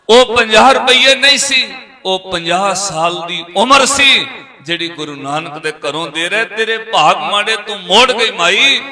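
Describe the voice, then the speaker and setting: Old holy man, voiced by a male preacher, solemn, gently stern, high bright voice. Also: full character voice.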